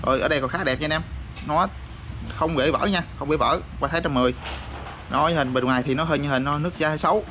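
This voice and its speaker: A man showing off used motorbike parts in a rapid, repetitive sales patter full of fillers. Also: on the high side, bright, forceful tone. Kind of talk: casual product showcase sales patter. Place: parts shop or workshop. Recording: noisy backdrop with passing vehicles.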